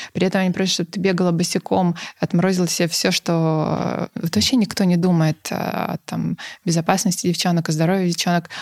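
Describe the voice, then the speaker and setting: A woman speaks at a fairly quick pace with vocal fry and fairly even intonation. The sound is dry and close, with no echo. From Novorossiysk, southern Russia. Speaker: business founder and CEO. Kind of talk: casual interview conversation. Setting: office, recorded in company office.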